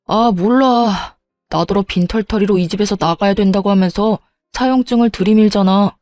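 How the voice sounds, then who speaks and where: A woman's voice: mid-range voice, moderate pace, a little mellow, no echo, faint music behind, natural voice. A woman voicing a hot-headed grown son who whines and blames his mother in a storybook reading. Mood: exasperated. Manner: whiny, exasperated.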